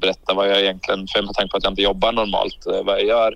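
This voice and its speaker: A man speaks at a very fast pace. He has a slight Östergötland accent. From Norrköping, Sweden. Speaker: sports bettor. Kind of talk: interview.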